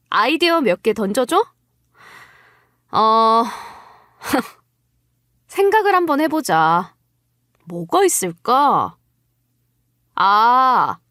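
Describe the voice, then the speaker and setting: A woman's voice: fairly high pitch, fairly bright tone, no room sound, clean studio sound, heavily acted. A woman voicing a wronged young wife in a dramatized story, defiant and coolly sarcastic, taunting her listeners.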